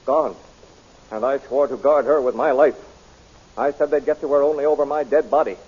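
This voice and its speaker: A man's voice: mid-range voice, steady tone, moderate pace, darkish tone, breathy edge, lightly acted. An actor playing a loyal, courteous palace guard nobleman in a 1930s radio serial, formal and earnest, on a dull old recording. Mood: dismayed.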